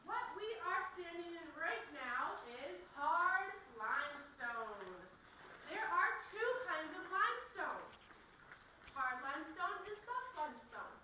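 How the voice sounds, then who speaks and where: A woman's voice: very high-pitched, very animated, takes it slowly, bright, forceful tone. A woman giving a guided tour talk to a group, her voice echoing inside a cave. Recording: echoing cave, distant mic, some noise.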